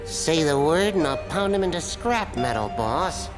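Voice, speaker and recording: A rough cartoon henchman who gloats and threatens, his voice swinging widely. Clear music plays behind. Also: on the high side, expressive, unhurried. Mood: gloating. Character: brutish male henchman, eager to fight.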